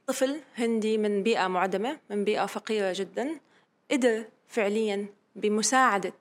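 A woman with a Levantine accent in a casual podcast discussion, thoughtfully offering a counterexample. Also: fairly high pitch. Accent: Levantine Arabic. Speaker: discussion participant.

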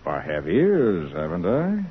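An actor playing a confident, wry master detective in a 1940s radio drama, cool, assured and teasing. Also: male voice, low-pitched, wildly swooping pitch, slow, breathy edge, full character voice. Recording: narrow-band 1940s radio recording, light noise.

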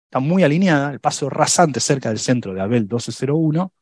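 A man's voice: medium pitch, expressive, fairly quick, a little mellow, slightly rough, dry recording. A man on a science podcast, explaining black holes in casual chat, thinking aloud with fillers and restarts.

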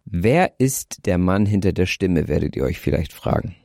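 A young man in his twenties with a light north German accent reads his prepared podcast script in a careful, deliberate way. His voice sits very low and dark, and the sound is close and dry, with no room ring. He speaks into a handheld mic from under a blanket in bed. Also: expressive, gravelly, no echo. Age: 20s. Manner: careful, deliberate delivery aiming for standard German. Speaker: podcast host. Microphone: handheld microphone.

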